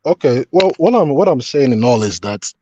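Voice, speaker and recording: Panel caller, male, dark mellow voice over a crackly, cutting-out phone line, halting delivery. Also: medium pitch, very animated. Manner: halting, restarts his words. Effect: crackly phone line that fades in and out. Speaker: panel guest calling in. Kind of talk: panel discussion. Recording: muffled lo-fi line with faint noise.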